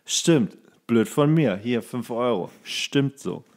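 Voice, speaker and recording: A man's voice: mid-range voice, expressive, slow pace, a little mellow. A man telling anecdotes in casual chat as a podcast co-host.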